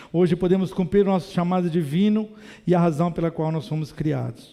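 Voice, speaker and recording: At a fairly quick pace, a man speaks with fairly high pitch and a dark, mellow tone. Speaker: minister preaching. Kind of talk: sermon.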